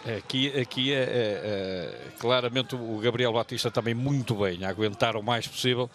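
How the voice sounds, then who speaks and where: A man's voice: medium pitch, normal speed, fairly bright tone. A man with a European Portuguese accent analysing football hesitantly, repeating phrases, with stadium noise behind.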